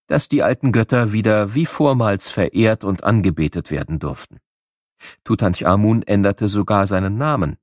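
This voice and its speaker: A man narrating a scripted educational audiobook for children with measured, clearly phrased storytelling. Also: lowish voice, dry recording, studio quality.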